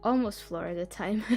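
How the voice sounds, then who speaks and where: Mellow-voiced non-native English-speaking woman streamer. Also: medium pitch. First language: not English. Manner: chatty, giggly, stumbles over words while reading. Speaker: livestream host. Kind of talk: casual livestream chat, reading a book blurb aloud.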